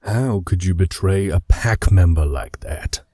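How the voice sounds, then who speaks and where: A man's voice: sits low, unhurried, warm tone, no echo, clean studio sound. A man voicing a protective male werewolf who speaks firmly and gives commands to his pack. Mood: resolute. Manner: firm and commanding. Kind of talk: audio drama acting.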